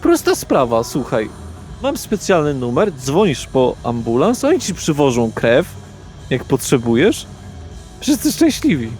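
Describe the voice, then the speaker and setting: Vampire lawyer for a role-play , male player: brash, chummy, colloquial, very lively intonation. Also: mid-range voice, a little slow, faint music behind. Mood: jovial, chummy. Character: brash, self-important vampire lawyer in a suit. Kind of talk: improvised tabletop role-play.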